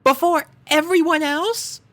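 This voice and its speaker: A man's voice: very high voice, unhurried, bright, forceful tone, voice pushed up, exaggerated voice. A man voicing a haughty, snappish young girl pony in a fan fiction storybook reading. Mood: haughty, indignant. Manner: snooty, snappish. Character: haughty young schoolgirl pony filly, bossy and indignant.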